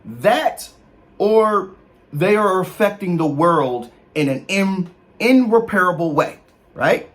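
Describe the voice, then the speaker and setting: A slow, expressive man in his thirties with a high, fairly bright voice speaks African American English, explaining slang and reading a list in an emphatic, mock-official comedic way with casual asides. He's indoors in a small room hung with posters.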